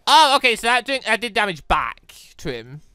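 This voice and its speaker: A British gamer giving excitable, rambling let's play commentary and often breaking off mid-thought. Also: medium pitch, moderate pace, clear, resonant tone, no room sound, clean studio sound. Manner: excitable, rambling, self-interrupting. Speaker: gaming video host. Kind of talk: let's play commentary, reading dialogue aloud. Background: game music.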